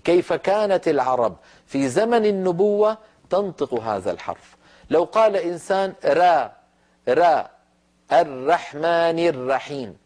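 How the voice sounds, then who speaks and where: A man teaching Quran recitation in a televised lesson, explaining letter sounds in a measured, deliberate way and demonstrating them slowly. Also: on the high side, a little mellow.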